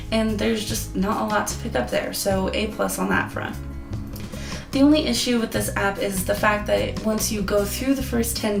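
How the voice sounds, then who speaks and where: Young woman vlogger, hoarse and gravelly, earnest chatty review over guitar backing. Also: mid-range voice. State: losing her voice. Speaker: app reviewer. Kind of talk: casual review vlog. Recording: echoey room with guitar music.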